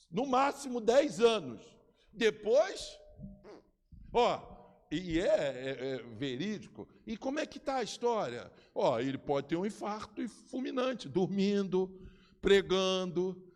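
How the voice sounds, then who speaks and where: A Brazilian man in his fifties with a Brazilian Portuguese accent, preaching with humor and playfully acting out other voices. His voice is high and swings widely in pitch. It rings with long reverb, as in a large church hall. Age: 50s. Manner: animated storytelling, joking, acting out voices. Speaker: pastor. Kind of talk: sermon.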